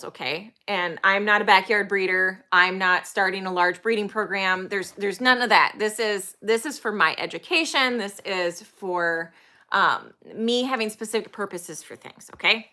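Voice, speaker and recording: Forty-something woman vlogging, bright voice, chatty and rambly, lots of ums. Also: mid-range voice, moderate pace. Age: 40s. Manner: enthusiastic, emphatic. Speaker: horse trainer and channel host. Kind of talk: casual vlog talk to camera.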